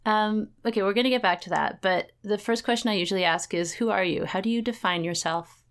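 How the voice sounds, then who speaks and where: A woman hosting a podcast in casual chat, self-deprecating and quick to laugh. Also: mid-range voice. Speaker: podcast host.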